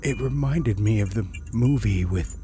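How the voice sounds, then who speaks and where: A man playing a weary, unnerved survivor telling his horror story in the first person, subdued and deliberate. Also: on the low side, over music, lightly acted. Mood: subdued unease.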